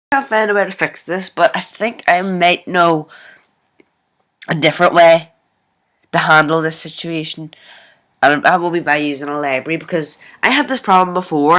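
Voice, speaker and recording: A man hosting a casual coding screencast, thinking aloud informally and haltingly as he works at his computer. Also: fairly high pitch, pushed and bright. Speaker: programming tutorial host. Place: indoors at a computer, screen recording.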